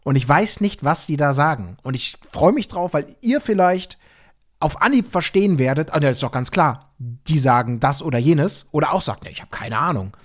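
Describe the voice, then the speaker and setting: A man co-hosting a podcast, telling anecdotes casually and haltingly, often repeating words. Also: on the high side, lively intonation. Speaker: podcast co-host.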